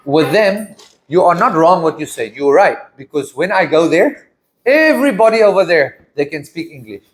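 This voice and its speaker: A man's voice: a little high, expressive, normal speed. A man with a South African accent, teaching an English class in casual talk and often checking in with his students. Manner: patient, checks in often with questions.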